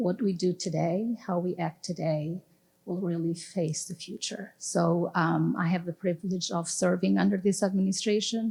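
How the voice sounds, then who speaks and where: A woman with a non-native accent speaks at a moderate pace and a fairly low pitch, her somewhat breathy voice dark and mellow in tone, with fairly even intonation. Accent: foreign. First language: not English. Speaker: government official. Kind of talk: panel discussion.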